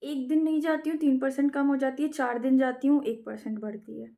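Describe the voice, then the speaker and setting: A woman's voice: high-pitched, steady tone, brisk, gravelly, warm tone. A young adult woman vlogger chatting casually about her day, chatty and self-mocking, mixing in English words. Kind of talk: casual vlog chat.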